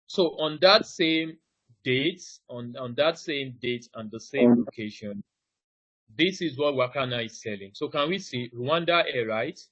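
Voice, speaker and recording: Running a ticketing class live on a video call, a man explains each step, keeps returning to "now," and quizzes participants. He's expressive and a little slow, with a mid-range, fairly bright voice, and the dull, dry call audio has no echo.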